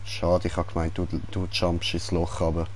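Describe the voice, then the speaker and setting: A man's voice: low voice, completely flat delivery, moderate pace, a little hiss or hum. A young man hosting a casual gameplay session with a friend, teasing him and laughing often. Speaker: gaming channel host.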